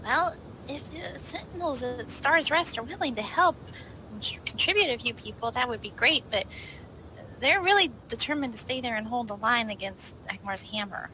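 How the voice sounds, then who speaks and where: A woman's voice: fairly high pitch, expressive, moderate pace, sharp tone, a little hiss or hum, poor audio. A woman playing a tabletop roleplay, talking casually in character with a dry, skeptical manner. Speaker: roleplay player.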